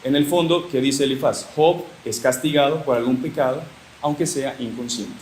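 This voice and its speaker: Man, Uruguayan accent, scripture teaching talk, lively storytelling, roomy echo, faint hiss. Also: mid-range voice, normal speed. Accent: Uruguayan Spanish. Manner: lively storyteller with joking asides. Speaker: religious formation speaker. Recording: echoey room with faint hiss.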